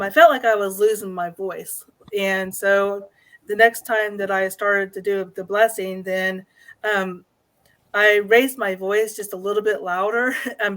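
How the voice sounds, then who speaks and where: A woman is a guest in an interview, sharing a personal account. Her pitch stays very even, and she speaks tentatively, pausing often as she finds her way through each sentence. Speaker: guest, new paranormal investigator. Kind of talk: hesitant personal storytelling in an interview.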